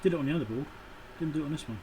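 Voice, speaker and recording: A man's voice: fairly high pitch, racing, dark tone, a little hiss or hum, poor audio. A man giving an off-the-cuff, casual running commentary as he does hands-on work, with muttered asides. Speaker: electronics repair channel host. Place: indoor electronics workbench.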